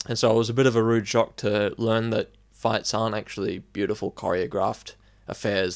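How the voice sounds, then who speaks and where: With an Australian accent, a man speaks at a moderate pace in a fairly low pitch, showing vocal fry. His intonation is fairly even, and the recording is very clean with a silent background. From Queensland, Australia. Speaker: martial artist. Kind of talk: casual chat.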